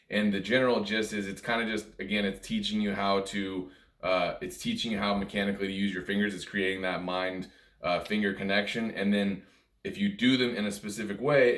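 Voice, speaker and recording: In an echoey room, a music teacher with a low-pitched, fairly bright voice gives a casual lesson to camera. He talks informally and ramblingly, often repeating his points.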